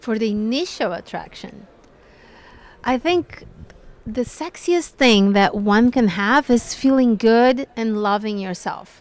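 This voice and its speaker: A woman with a Brazilian accent speaks very slowly at a fairly high pitch, her intonation lively and the sound dry with no echo. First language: Portuguese. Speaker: relationship and sex coach, author. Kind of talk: interview. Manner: animated. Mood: warm, playful, sensual. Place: home room. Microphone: handheld.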